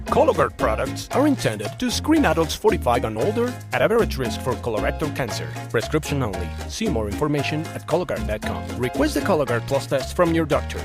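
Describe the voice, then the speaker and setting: Guy ad read, bouncy pitch, music playing behind. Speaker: advertisement voice-over. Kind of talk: scripted ad narration.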